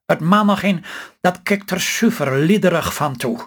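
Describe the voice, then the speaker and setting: A man's voice: high-pitched, moderate pace, a bit bright, breathy edge, full character voice. A man with a Stellingwerfs accent voicing a talkative, hopeful older farm wife in a read-aloud story. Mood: eager. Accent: Stellingwerfs Low Saxon.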